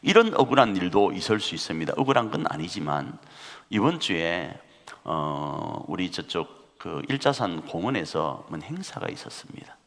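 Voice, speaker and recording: A male pastor preaching a sermon, animated and emphatic, putting questions to the congregation. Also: low-pitched, normal speed. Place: church sanctuary. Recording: long reverb of a church hall.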